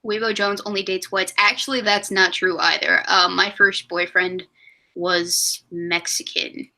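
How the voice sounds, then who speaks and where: A woman's voice: fairly low pitch, level tone, measured pace, bright, forceful tone. A woman in her twenties hosting a casual live stream, rambling and laughing at herself. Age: 20s. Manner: giggly, rambling, self-mocking. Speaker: stream host.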